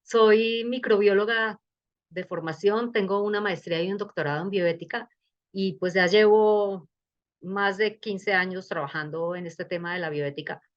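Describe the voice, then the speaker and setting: A Colombian woman lecturing online, her voice a bit dull and muffled through a video call. She is middle-aged and talks in an engaged, conversational way, often asking her listeners questions. Her pitch sits in an ordinary middle range. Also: steady tone, moderate pace. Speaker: bioethics lecturer. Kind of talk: webinar lecture.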